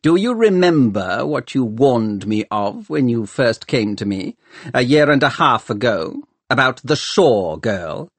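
A man's voice: medium pitch, sing-song, unhurried, dry recording, pitched above the performer's own voice. A man voicing a scheming male city ruler who speaks in a clipped, commanding way. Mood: cold command.

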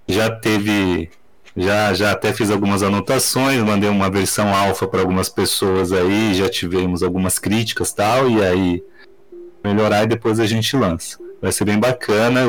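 A man, hosting a podcast over a video call in relaxed, rambling chat, his mic audio clipping and distorted. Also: fairly low pitch, moderate pace. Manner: relaxed, rambling, filler-heavy. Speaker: podcast host.

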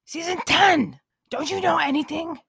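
A woman playing a bumbling female zombie who talks in halting broken English. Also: fairly high pitch, expressive, creaky, husky, dry recording, studio quality, heavily acted. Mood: grumpy. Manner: halting, broken phrasing, sudden loud outbursts. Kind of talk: improv comedy sketch.

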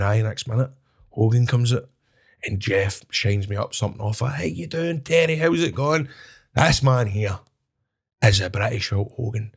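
A man with a Scottish accent telling animated, swearing-laced stories as a wrestler guest in casual chat. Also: fairly low pitch. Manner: animated, swears, laughs at his own stories.

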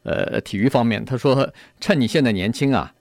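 Steady male radio co-host, dry studio. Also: medium pitch, no room sound. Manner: relays points from an article, agreeable and measured. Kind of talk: casual radio discussion.

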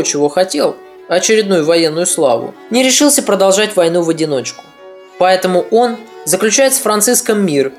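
A podcast narrator reading a scripted history story in a steady, even manner. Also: medium pitch.

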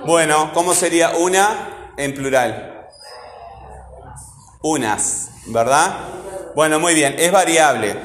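Guy teaching grammar, kinda high voice, roomy echo, asks and answers himself. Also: takes it slowly, long pauses, a bit bright. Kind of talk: classroom grammar lesson. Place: classroom. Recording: echoey room with long reverb, faint ambience.

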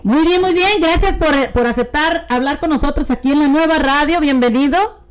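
A woman's voice: high voice, moderate pace. A woman hosting a radio show, interviewing a guest in a friendly, encouraging way. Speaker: radio host.

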